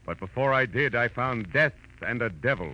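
An actor playing a weary, wry, hard-boiled private detective with an American accent in 1940s radio drama. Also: male voice, medium pitch, lively intonation, moderate pace, pushed and bright. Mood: grim. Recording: dull vintage radio recording with music.

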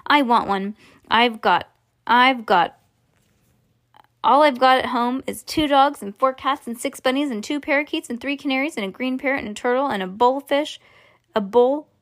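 A woman reading aloud and voicing a spoiled, demanding little girl in a storybook, shrill and insistent. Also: moderate pace.

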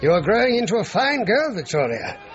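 A man's voice: high voice, sing-song, brisk. A teasing old king. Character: aging male king, teasing and blunt. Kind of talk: period drama acting. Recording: dull lo-fi with faint music.

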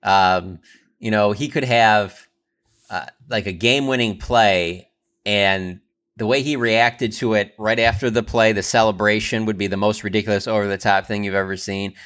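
Rambling low-voiced male cohost. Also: steady tone, a bit bright, smooth. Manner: rambling, laughs easily, bursts of quick talk. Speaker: podcast cohost. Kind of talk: casual sports chat.

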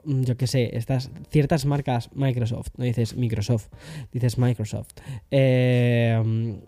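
Casual male podcast host, very dark mellow tone, dry close sound, rambles and corrects himself. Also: medium pitch, no echo. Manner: chatty, digressive, self-correcting with fillers. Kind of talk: casual tech and entertainment news chat.

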